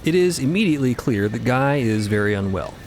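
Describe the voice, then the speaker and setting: A man's voice: mid-range voice, expressive, fairly quick, a little mellow, a little hiss or hum. A man narrating a fiction podcast in a wry, conversational storytelling style.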